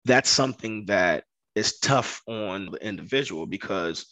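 A man's voice: on the low side, lively intonation, a little slow, pushed and bright, no echo, poor audio. Earnest man from Ghana in interview. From Ghana, West Africa. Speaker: podcast guest, construction business owner. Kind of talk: conversational interview storytelling.

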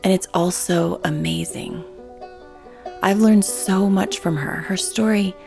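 Slow, gravelly-voiced woman podcast host. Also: lowish voice. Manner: soft, earnest, drops to near whispers. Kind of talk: scripted intro, then gentle interview.

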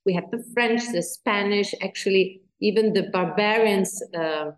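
A woman's voice: mid-range voice, a little slow, roomy sound, rough recording. An Italian woman whose first language is German, speaking English with a German accent as a real estate agent giving an enthusiastic interview, with fillers and restarts. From Italy. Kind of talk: interview guest.

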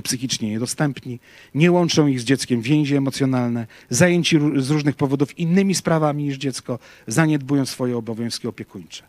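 A middle-aged man, a pastor from Poland, giving a lecture full of personal anecdotes and acting out what people shout. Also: mid-range voice, no echo. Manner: animated storytelling, acts out quoted shouts.

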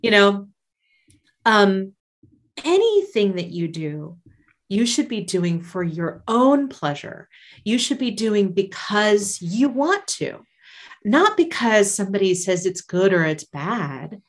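A woman's voice: medium pitch, big pitch swings, slow pace. A woman guest on a podcast, a singer and life coach, talking in a casual, enthusiastic and encouraging way and laughing often.

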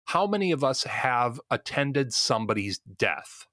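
A man hosting a podcast discussion, speaking in a measured, deliberate way and steering the questions. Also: medium pitch, very animated, bright, forceful tone, no room sound, clean studio sound. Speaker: podcast host.

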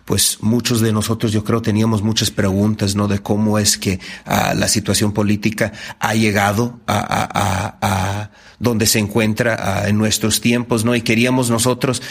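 A man's voice: fairly low pitch, flat delivery, normal speed, creaky, hardly any pauses, slightly rough. A man in his thirties from the United States, a podcast guest speaking hesitantly with many fillers. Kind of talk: casual interview.

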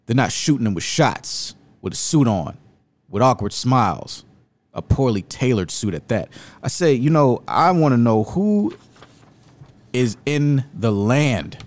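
A man's voice: mid-range voice, very animated, measured pace, a little mellow. A man hosting an opinionated video commentary, speaking in an emphatic, rhetorical and indignant way. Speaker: commentary host.

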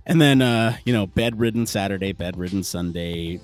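Sick guy hosting a podcast, low raspy voice, clearing his throat, chatting casual and jokey. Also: normal speed, soft background music. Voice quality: husky, raspy. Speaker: podcast host. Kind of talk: casual livestream chat.

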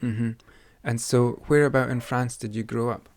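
A man's voice: medium pitch, steady tone, normal speed, no room sound. A man hosting a photography podcast, talking in a friendly, hesitant way with many fillers. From United Kingdom. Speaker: podcast host. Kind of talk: casual interview.

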